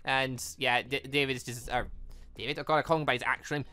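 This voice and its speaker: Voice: mid-range voice, steady tone, quick pace, sharp tone, faint music behind. A let's play host chatting and rambling over a visual novel, laughing often. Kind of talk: casual reading of a visual novel with commentary.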